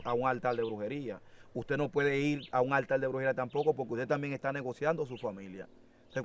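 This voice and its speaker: A man hosting a Christian interview, exhorting and asking rhetorical questions like a preacher. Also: medium pitch. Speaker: host and interviewer. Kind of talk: preaching-style interview talk.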